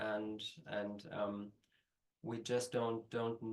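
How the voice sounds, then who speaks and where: With a German accent, a man talks very slowly at a medium pitch in a flat, monotone delivery. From Germany. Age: 30s. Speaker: speech therapist. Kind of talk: interview answer. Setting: video call. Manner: stuttering.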